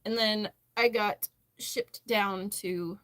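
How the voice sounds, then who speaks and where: An American woman from western Massachusetts, a crocheter, hosts a casual livestream, chatting and responding to viewer comments as she goes. Her voice is medium-pitched and a bit bright, with a steady tone and slow pace.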